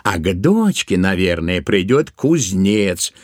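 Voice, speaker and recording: A man narrating a literary tale for an audio play in an expressive, deliberate way, drawing out certain words. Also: sits low, no room sound, studio quality. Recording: music behind the voice. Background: musical accompaniment.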